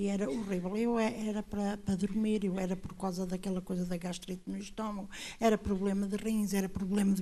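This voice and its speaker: Delivered at a fairly quick pace, the voice has a dark, mellow tone and fairly even intonation. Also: woman. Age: 60s. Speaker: church member giving testimony. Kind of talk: testimony.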